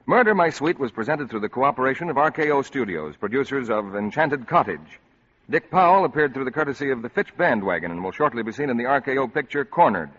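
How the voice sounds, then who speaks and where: Old radio announcer man, formal and even, kinda husky. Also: medium pitch. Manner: measured, formal announcer reading. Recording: dull lo-fi 1940s radio broadcast.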